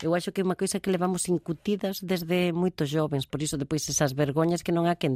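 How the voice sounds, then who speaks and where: A dark, mellow voice moves at a fairly quick pace with ordinary pitch variation, recorded dry and close with no echo in a very clean recording over a silent background. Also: woman. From Galicia, Spain (Tui, on the Portuguese border). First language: Galician/Spanish (speaking Portuguese). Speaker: infectious disease doctor. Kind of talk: interview. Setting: studio.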